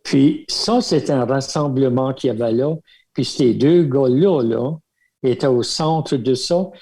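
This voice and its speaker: An older man with an Acadian French accent from Baie Sainte-Marie, telling stories from his life in a relaxed interview, with many small fillers and chuckles. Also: mid-range voice, a little slow. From Baie Sainte-Marie, Nova Scotia. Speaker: guest, religious brother. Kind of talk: casual storytelling interview.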